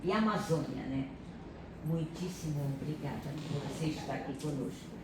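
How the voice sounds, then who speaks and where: A woman's voice: sits low, moderate pace. An older woman from Pará with a Pará accent, speaking earnestly in a group meeting and repeating herself for emphasis. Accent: Pará Brazilian Portuguese. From Pará, Brazil. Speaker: reading circle participant. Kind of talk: casual remarks in a group meeting. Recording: echoey room from far off, noisy.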